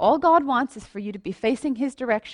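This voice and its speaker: Speaking at a moderate pace in a normal speaking voice, a woman with an American accent uses lively intonation, the sound dry and close with no echo. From United States. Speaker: speaker. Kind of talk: sermon.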